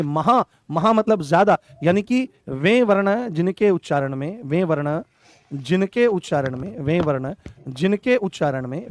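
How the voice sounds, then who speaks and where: High-voiced Hindi teacher drilling students. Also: male voice, darkish tone, no echo. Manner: repeats key phrases and quizzes the class; affectionate terms for students. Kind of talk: online exam-prep lesson.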